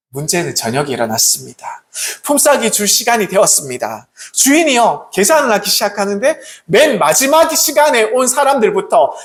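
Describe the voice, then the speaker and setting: A pastor preaching a sermon, retelling a parable with lively storytelling and speaking directly to the congregation. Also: medium pitch.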